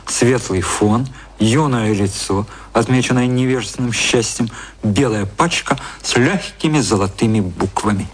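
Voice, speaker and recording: A man narrating a literary radio play in a measured storytelling style. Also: lowish voice, slight background noise, close to an everyday voice.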